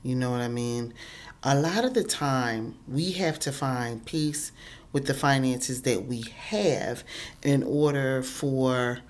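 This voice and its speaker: A woman's voice: a bass voice, slow pace. A woman vlogger talking earnestly into her phone, stuffy-nosed and congested, with lots of ums and repeated words. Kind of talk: casual motivational talk to camera.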